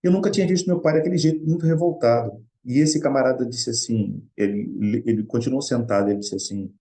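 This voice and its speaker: A man's voice: medium pitch, a little fast, mellow. A middle-aged Brazilian man speaking in an earnest, conversational way, telling a personal story in a Spiritist study talk. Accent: Brazilian Portuguese.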